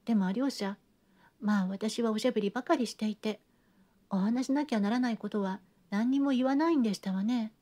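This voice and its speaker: A fussy, theatrical society lady pours out gossip in an endless stream of refined, breathless sentences, as a woman narrator puts her on. The voice sits a little high but sounds mellow and soft. It is a classic-novel audiobook. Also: brisk, close to an everyday voice. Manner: gushing, breathless chatter with refined feminine endings. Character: chattering, theatrical genteel lady, middle-aged.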